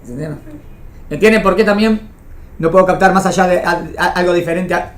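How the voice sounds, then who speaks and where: Her voice is fairly low and her pace a little quick as she, a religion teacher with an Argentine Spanish accent, lectures interactively to a small class. She is didactic, repeating phrases and regularly asking questions to make sure the material is understood.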